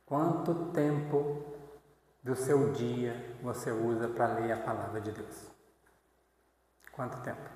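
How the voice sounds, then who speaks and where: A man's voice: medium pitch, steady tone, takes it slowly, pauses often, a little mellow. A man preaching a conversational sermon in church, often ending thoughts with a questioning "right?". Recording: echoey church hall.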